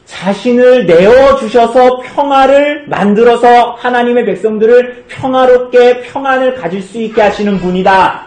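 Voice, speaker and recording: A male pastor giving a children's sermon, asking the kids questions and answering them in a lively way. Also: high-pitched, echoey room. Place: church.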